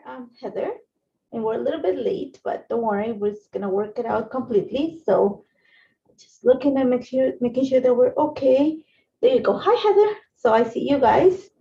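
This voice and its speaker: A middle-aged woman from Ecuador livestreams casual crafting from her home craft room, greeting viewers by name as she chats and rambles. Her voice is a little high, with slight background noise. Her phone and laptop setup delivers dull lo-fi sound.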